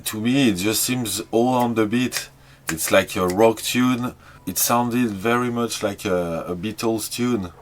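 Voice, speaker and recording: Slow, hesitant man with a low voice. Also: a little hiss or hum. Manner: hesitant, repeats words while searching for phrasing. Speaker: podcast guest reviewer. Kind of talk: casual music critique.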